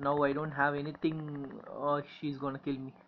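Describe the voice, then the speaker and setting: A fairly high-pitched man at a moderate pace, flat and monotone, over noticeable background noise. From India. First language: not English. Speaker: mobile gaming YouTuber. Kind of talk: gameplay commentary. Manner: halting.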